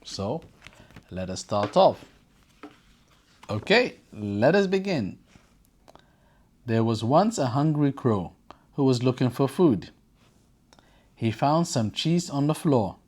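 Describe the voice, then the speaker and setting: A children's storytelling presenter with a mid-pitched voice that moves around a great deal. The delivery is informal and expressive, encouraging listeners like a friendly read-along host. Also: takes it slowly, pauses often. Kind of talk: children's read-aloud storytelling with casual chat to viewers.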